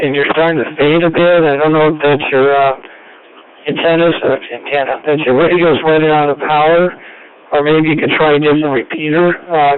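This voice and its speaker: Man on two-way radio, narrow-band sound. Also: on the high side. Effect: two-way radio transmission. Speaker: amateur radio net controller. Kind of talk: casual ham radio net talk.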